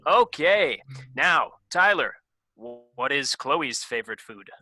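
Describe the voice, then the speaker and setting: A man's voice: medium pitch, very animated, slow, pushed and bright, no room sound, exaggerated voice. A man playing an exasperated newlywed game show host in a comedy sketch reading. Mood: brisk, chipper.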